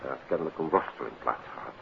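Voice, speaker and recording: Very deep, sober police official. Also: male voice, very fast, creaky, breathy edge, dull audio, heavily acted. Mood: grave. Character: sober, formal police official bearing bad news. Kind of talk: 1950s Dutch radio drama acting. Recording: band-limited, noisy 1950s radio recording.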